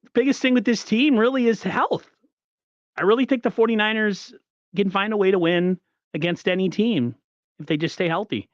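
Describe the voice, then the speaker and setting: A man with a froggy, slightly rough voice talks through a casual sports chat, reading viewer comments aloud as he goes. The audio is dry and a little dull, as if from a modest home setup. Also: high voice, moderate pace, no room sound. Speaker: podcast co-host.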